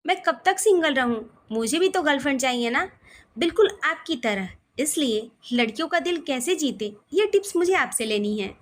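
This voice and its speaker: A woman's voice: sits high, animated, moderate pace. A woman reading the part of a cheerful young brother-in-law who teases and pleads. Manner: teasing, pleading.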